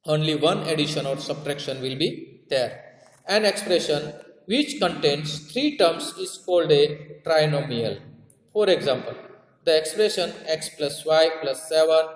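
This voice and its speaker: A man's voice: fairly high pitch, animated, measured pace. A man with a South Asian accent teaching a maths lesson, repeating key terms and checking understanding with tag questions. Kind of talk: classroom lesson explanation. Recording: echoey room with long reverb.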